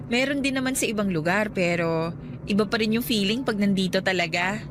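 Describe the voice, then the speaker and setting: A woman playing a playful, expressive young woman in a radio romance drama. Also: medium pitch, a little fast, natural voice. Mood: relaxed, chatty. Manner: teasing, girlish, expressive exclamations. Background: music.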